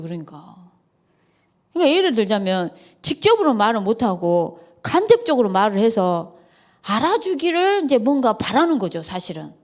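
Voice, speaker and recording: A middle-aged woman, a pastor's wife, giving a lecture at a church retreat, acting out quarrels and laughing often. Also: high-pitched. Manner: lively, acts out quarrels in quoted voices, laughs often.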